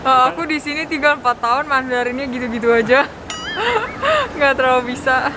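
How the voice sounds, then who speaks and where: A woman's voice: high voice, lively intonation, normal speed. A woman in her twenties hosting a casual travel vlog, laughing often and slipping English into her talk. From Indonesia. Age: 20s. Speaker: vlogger host. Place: outdoors in a busy city area and a fast-food restaurant. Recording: noisy street and restaurant, loud music. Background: loud music and crowd.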